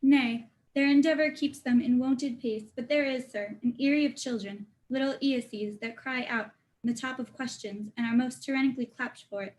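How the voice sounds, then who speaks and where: A woman plays a young courtier, deferential to a prince. The voice is fairly high, reciting Shakespearean lines with polite, measured courtesy. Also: steady tone, darkish tone, lightly acted, low-quality recording. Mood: informative, polite. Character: deferential young courtier, Hamlet's old schoolfriend. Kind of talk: dramatic reading of Shakespeare.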